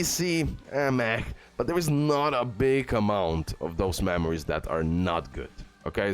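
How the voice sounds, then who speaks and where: A man giving casual game guide commentary, enthusiastic and full of fillers. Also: lowish voice. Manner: enthusiastic, repeats "guys" and "okay", filler-heavy. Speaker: gaming YouTuber. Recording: faint background music.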